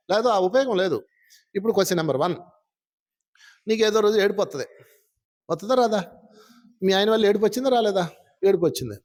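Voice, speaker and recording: Male spiritual teacher, high voice, plain teasing delivery, quizzes his listeners nonstop. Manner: keeps asking the audience questions. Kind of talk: teaching a live audience.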